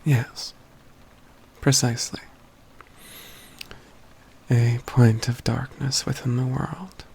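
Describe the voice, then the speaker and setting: A man playing an aloof, proud mage companion in a soft, intimate ASMR roleplay, with formal, measured phrasing and dry teasing. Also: medium pitch, steady tone, vocal fry, breathy edge, exaggerated voice. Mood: grave, explanatory. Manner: formal, measured, haughty phrasing with hushed stretches.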